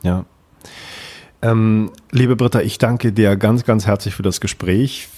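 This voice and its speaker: A man's voice: fairly low pitch, steady tone, unhurried, darkish tone. Polite man hosting a podcast. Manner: polite, formal thanks, hesitant fillers. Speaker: podcast host. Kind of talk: podcast interview.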